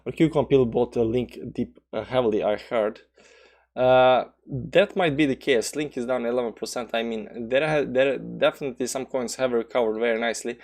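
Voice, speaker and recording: A man's voice: medium pitch, moderate pace, darkish tone. Rambling Balkan-accented man streaming crypto charts. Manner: rambling, many fillers and restarts; reads chat aloud and answers. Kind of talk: casual live chart commentary.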